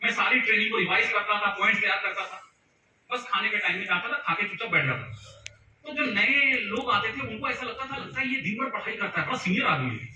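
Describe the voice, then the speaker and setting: High-voiced man telling stories in an echoey hall. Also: fast talker. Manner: animated, acts out dialogue in changed voices. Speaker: motivational speaker at a business meeting. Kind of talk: storytelling speech to a live audience. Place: large meeting hall with audience. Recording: echoey hall, distant mic, noisy.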